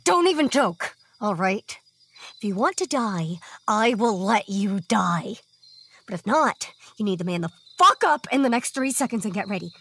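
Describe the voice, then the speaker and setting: A woman's voice: medium pitch, very animated, normal speed, a bit bright, husky, exaggerated voice. An actress playing a bossy, brash, foul-mouthed young woman, frantic, in a scripted audio drama. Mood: exasperated, forceful.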